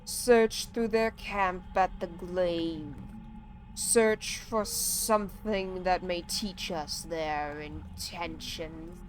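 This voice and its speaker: A woman voicing a slow, solemn ancient male tree spirit, drawing out every word as she reads quest text aloud. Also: lowish voice, steady tone, slight background noise, poor audio. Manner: very slow, drawn-out delivery.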